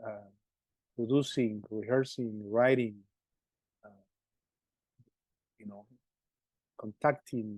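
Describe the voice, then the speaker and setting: A middle-aged Colombian man answers interview questions in English, his Spanish accent clear. He speaks at an average pitch, stumbling and repeating words as he searches for what to say. The room is dry, with no echo. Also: dark tone. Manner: halting, many repeated words and restarts. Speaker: musician guest.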